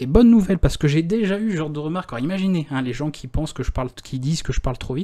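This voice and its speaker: The speaker races along at a very fast pace with hardly any pauses, using lively intonation and a dark, mellow tone. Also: man, fairly high pitch for a man. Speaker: online computer science teacher. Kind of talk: channel presentation talk. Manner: animated.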